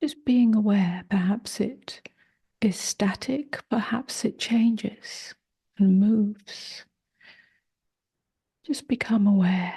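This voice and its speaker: A woman guides a meditation in a soft, mellow voice that often drops close to a whisper. Her delivery is very unhurried, with gentle short phrases and long pauses. There is a noticeable creak at the edges of her words. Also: mid-range voice. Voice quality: soft, breathy, husky, often near a whisper. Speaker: meditation teacher. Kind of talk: guided meditation, slow and spoken softly.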